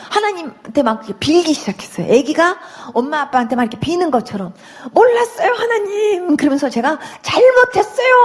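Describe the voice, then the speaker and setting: A woman giving an emotional religious testimony, telling her story with animated storytelling and acting out her own past words. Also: sits high. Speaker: church testimony speaker.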